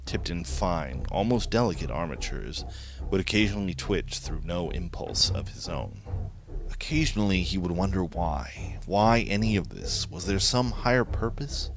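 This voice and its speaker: A man's voice: sits low, animated, slight background noise. A man giving a grave, ominous dramatic narration of a horror tale. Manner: slow, grave, ominous delivery. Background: music.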